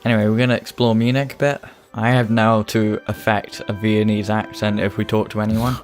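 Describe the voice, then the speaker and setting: A man's voice: on the low side, flat delivery, fairly quick, faint music behind. A man playing a story game, reading its narration aloud in a slightly theatrical way and joking between passages, now and then stumbling over words. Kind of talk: reading game text aloud and casual banter.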